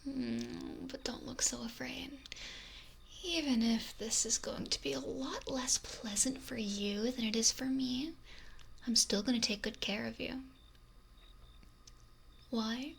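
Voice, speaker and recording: A woman playing a possessive, wealthy mafia boss in an intimate ASMR roleplay, breathy and often whispery, with a slow, softly threatening manner. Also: fairly high pitch, steady tone, a little hiss or hum, heavily acted. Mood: domineering, cool. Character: possessive, domineering wealthy female mafia boss, lonely, menacing. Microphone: close binaural ASMR microphone.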